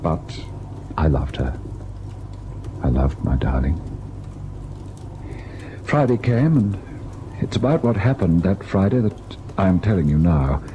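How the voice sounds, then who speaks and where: An actor playing a devoted, sorrowful husband in an old-time radio ghost drama, measured and tender in his delivery. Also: low-pitched, sing-song, dull audio, a little hiss or hum, exaggerated voice. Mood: wistful, grave. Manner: measured, melancholy narration, tender and indulgent in dialogue. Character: devoted husband recalling a haunted, sorrowful tale.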